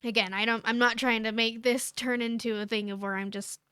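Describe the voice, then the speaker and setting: A woman's voice: a little high, steady tone, fairly quick, bright, forceful tone, clean tone, no room sound, clean studio sound. A woman co-hosting a candid couple's conversation, earnest and rambling with many fillers. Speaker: podcast co-host.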